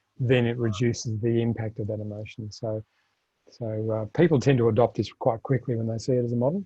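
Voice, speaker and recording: A man with an Australian accent speaks at a fairly quick pace in a medium pitch. His voice is somewhat breathy, and his intonation stays fairly even. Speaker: leadership trainer and coach. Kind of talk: webinar talk.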